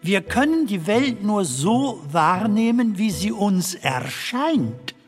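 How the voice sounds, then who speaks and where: A man's voice: sits high, big pitch swings, takes it slowly, soft background music, full character voice. A man playing a modest, bewildered comedian in a theatrical drama, speaking politely and hesitantly. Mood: flustered, apologetic. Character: mild, modest, bewildered comedian from a later century. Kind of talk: theatrical German dialogue drama.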